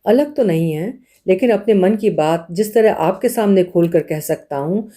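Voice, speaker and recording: A woman with a medium-pitched voice narrates a work of literature, her delivery steady, deliberate, and full of expression.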